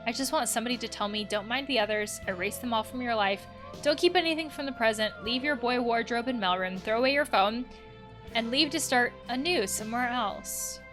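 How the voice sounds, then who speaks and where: A woman reads the part of a troubled young trans woman of eighteen in a video game. The voice is fairly high, earnest and confessional, over faint music. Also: brisk, close to an everyday voice. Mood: despairing, yearning. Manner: confessional, reading out written messages.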